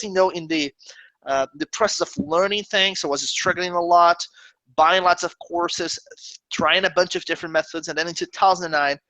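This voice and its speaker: Bright-voiced man with a Brazilian accent. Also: high-pitched, no room sound, rough recording. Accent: Brazilian Portuguese. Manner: earnest, reassuring, frequent fillers and "okay?" check-ins. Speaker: webinar host. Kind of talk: live webinar presentation.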